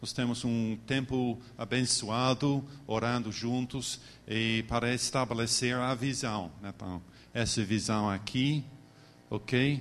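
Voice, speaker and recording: A man with an English accent, medium pitch and fairly even intonation at a very slow pace. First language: English (speaking Portuguese). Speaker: missionary. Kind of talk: testimony. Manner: halting.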